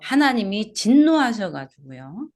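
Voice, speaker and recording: Woman pastor, sermon, swooping animated pitch, quizzes the congregation, repeats key words. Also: measured pace. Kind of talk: expository sermon. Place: small church service.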